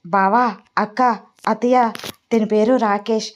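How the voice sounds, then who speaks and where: A woman's voice: medium pitch, fairly even intonation, unhurried, lo-fi sound, lightly acted. A woman voicing a young niece politely introducing a friend to her family. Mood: nervous.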